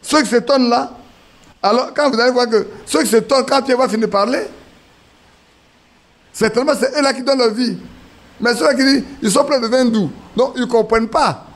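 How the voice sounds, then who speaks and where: A man's voice: very high-pitched, brisk, long pauses. A man preaching a sermon, telling stories and acting out quotes. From Ivory Coast. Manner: storytelling with acted quotes, restarts.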